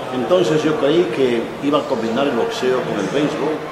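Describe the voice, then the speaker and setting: At a moderate pace, a man talks while loud noise fills the background. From Ecuador. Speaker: sports broadcaster. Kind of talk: interview answer. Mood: warm, grateful, reflective. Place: hall. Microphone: lapel.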